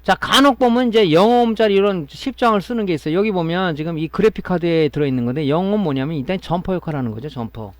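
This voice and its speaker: Male instructor, step-by-step technical lecture with frequent check-in questions, fairly high voice, dry close sound. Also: fast talker, hardly any pauses, no room sound. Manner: explaining step by step, often adding a tag question to check understanding. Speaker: electronics repair instructor. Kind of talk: classroom-style technical lecture.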